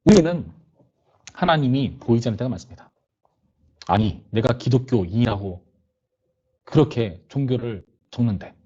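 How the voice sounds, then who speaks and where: A man's voice: medium pitch, expressive, moderate pace, pauses often, warm tone, breathy edge, highs cut off. A young man, a youth pastor, giving a conversational sermon to teenagers and voicing their complaints and questions. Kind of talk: sermon to teenagers over video call.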